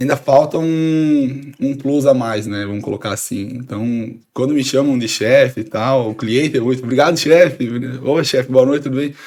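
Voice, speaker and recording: Speaking with hardly any pauses at a moderate pace, a man with an unremarkable speaking voice keeps a medium pitch with ordinary variation. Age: 20s. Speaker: sushi chef. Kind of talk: podcast interview.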